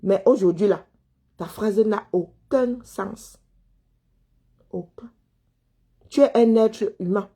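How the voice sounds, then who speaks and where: A woman's voice: mid-range voice, takes it slowly, long pauses, mellow, husky. A woman delivering a heated monologue, scolding a listener, repeating herself and firing rhetorical questions. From Cameroon. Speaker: commentator answering viewers.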